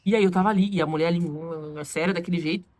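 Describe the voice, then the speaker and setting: A Brazilian woman with a Brazilian Portuguese accent telling a story in a casual vlog, animated and acting out what others said. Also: fairly low pitch, rapid-fire, no echo. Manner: animated, acts out quoted voices. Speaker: vlogger.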